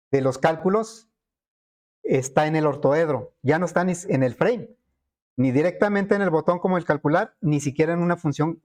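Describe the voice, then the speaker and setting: A man walks students through code in a screen-recorded lesson. His voice sits a little high for a man, and he thinks aloud, pausing on fillers and checking in with his class as he goes. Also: a little mellow. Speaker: programming teacher.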